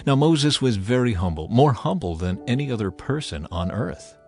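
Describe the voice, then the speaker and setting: Guy reading the bible dramatically, solemn and expressive, pitch moves around a lot, music behind. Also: moderate pace. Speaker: Bible narrator.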